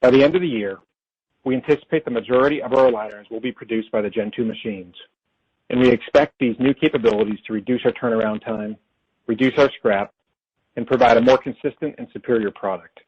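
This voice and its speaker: Husky guy doing a formal scripted earnings call, finance exec type, kinda muffled lo-fi audio. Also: mid-range voice. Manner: formal, measured reading of prepared figures. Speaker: company finance executive. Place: conference call. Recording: dull, lo-fi conference call audio.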